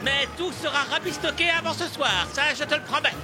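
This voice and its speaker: A woman voicing a brisk, confident young mechanic boss in a cartoon dub, energetic, cheerful and commanding. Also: sits high, natural voice. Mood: confident, breezy. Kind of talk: French cartoon dubbing. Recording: loud music and busy outdoor clamour behind.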